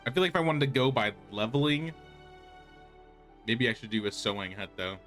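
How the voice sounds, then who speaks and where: A man's voice: mid-range voice, lively intonation, a little fast, a bit bright. A man giving casual, rambling gameplay commentary as a streamer, thinking aloud as he goes. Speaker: game streamer. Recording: game music behind. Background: game music.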